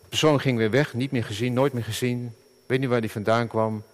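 Middle-aged male pastor, earnest sermon, halting delivery with fillers, mid-pitched voice. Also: fairly even intonation.

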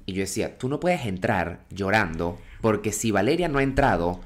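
A man with a Venezuelan accent co-hosting a podcast, telling stories in an expressive, casual way and swearing freely. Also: on the low side, normal speed. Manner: expressive storyteller, swears casually, dramatic mock-pleading. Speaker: podcast co-host. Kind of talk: casual chat.

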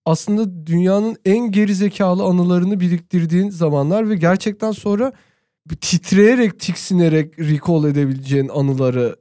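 A man's voice: sits high, normal speed, warm tone, dry recording, clean studio sound. A man co-hosting a casual chat, rambling and reflective as he recalls things. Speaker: podcast co-host.

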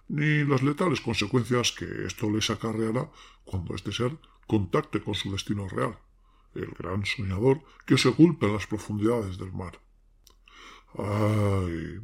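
Male actor as crypt-keeper, sardonic horror presenter, gravelly, rough-edged, gleefully wicked, cackling manner. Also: lowish voice, normal speed. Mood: mock-solemn. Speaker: host presenting horror tales. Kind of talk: theatrical horror anthology introduction.

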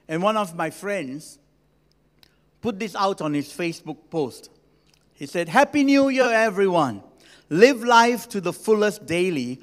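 A sixty-year-old man delivers a sermon as a senior pastor, his voice pitched a little high. He talks conversationally with gentle humor, pausing for emphasis. The sound carries the long reverb of a large hall. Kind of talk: sermon to a congregation.

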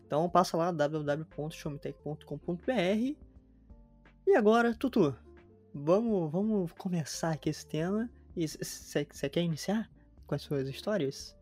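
A man's voice: on the high side, expressive, moderate pace, darkish tone, faint music behind. A man of twenty, hosting a podcast in a chatty, slangy way and reading a promo with energy. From Brazil. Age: 20s. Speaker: podcast host.

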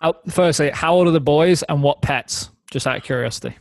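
A man's voice: on the high side, brisk, no echo. A man in his thirties hosting a casual interview podcast, chatty and eager with his questions. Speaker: podcast host.

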